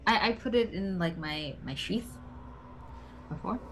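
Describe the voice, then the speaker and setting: A woman's voice: fairly low pitch, a little slow, low-quality recording. A woman talking casually as a player in a role-playing game.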